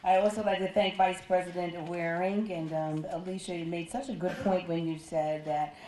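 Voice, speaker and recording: A woman with a fairly low voice hosts an awards ceremony, speaking with emphatic, drawn-out praise and repeated words. Her voice rings through a reverberant hall. A faint crowd murmurs behind her. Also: steady tone, noisy background. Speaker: ceremony host. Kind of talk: emcee remarks at an awards ceremony.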